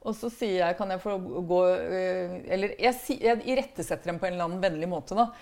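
Middle-aged woman, author guest; blunt, lively talker, sits a little low in pitch. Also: creaky. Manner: blunt, animated storytelling with many tag questions. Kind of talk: casual podcast conversation.

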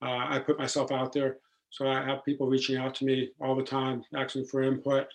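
A man with a deep voice talks as a podcast guest. His delivery is earnest and steady, with little rise and fall and frequent ums and restarts. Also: brisk, low-quality recording. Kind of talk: casual podcast conversation.

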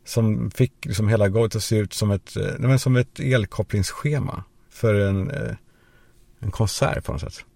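Gravelly low-voiced man telling crude stories. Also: fairly even intonation, darkish tone, no room sound. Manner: rambling, crude anecdotal humor; acts out quoted voices. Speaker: podcast host. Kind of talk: comedic storytelling monologue.

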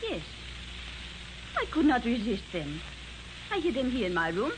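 A proud, defensive lady passenger in a 1940s radio crime drama. Her voice is on the high side and swings expressively through careful, formal phrases. The old broadcast recording is plainly noisy with hiss. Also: sing-song, moderate pace. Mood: defensive, pleading. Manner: formal, precise phrasing without contractions.

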